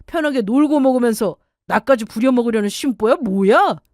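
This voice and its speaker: A woman's voice: on the high side, expressive, normal speed, a little mellow, dry recording, clean studio sound, pitched above the performer's own voice, lightly acted. A woman voicing a selfish, contemptuous husband in a storytelling radio piece, with scornful, dismissive retorts.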